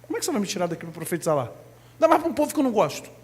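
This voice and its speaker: A man voicing the prophet Jonah as stubborn and reluctant, muttering quickly and sulkily. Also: sits high, big pitch swings, a little mellow, husky, in a large hall, voice pushed down, full character voice. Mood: sulky.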